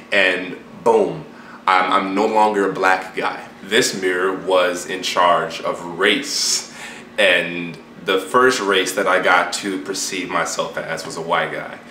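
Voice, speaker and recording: A YouTuber tells his viewers about a dream he had, rambling in a casual, puzzled, musing way with slangy asides. His voice sits fairly low yet sounds bright and forward. The room echoes, and there's faint noise in the background.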